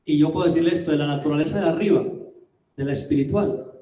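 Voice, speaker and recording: A man preaching a sermon as a pastor, emphatic, with rhetorical questions and drawn-out words. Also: fairly high pitch, warm tone, a little hiss or hum. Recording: roomy, distant mic.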